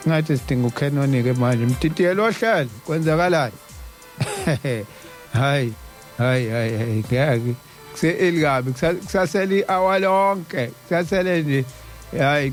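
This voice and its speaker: A man with a mid-range voice and a South African Zulu-speaking accent hosts live radio at a normal speed. His talk is casual, and he often stammers and repeats syllables as he goes. Music plays behind him throughout the recording.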